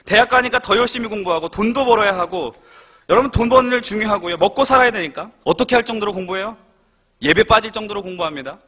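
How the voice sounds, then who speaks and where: A man's voice: high voice, fast talker, fairly bright tone, husky. A young man preaching a sermon in a church, speaking to the congregation with many rhetorical questions. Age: young adult. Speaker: pastor. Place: church sanctuary.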